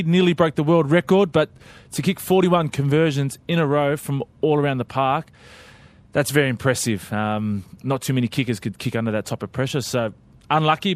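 A man co-hosting a casual sports chat, relaxed and full of fillers. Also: medium pitch. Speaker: co-host.

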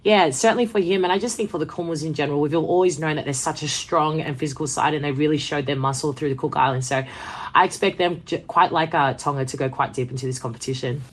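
A woman's voice: low-pitched, quick pace. A woman hosting a sports podcast, upbeat, reading neat segues. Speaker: host.

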